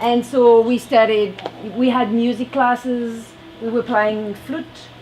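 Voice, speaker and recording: A woman with a French accent speaks very slowly at a fairly high pitch, in a monotone with flat intonation. Noticeable background noise runs underneath. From France. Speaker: guest speaker talking to students. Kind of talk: informal talk to a youth group with questions.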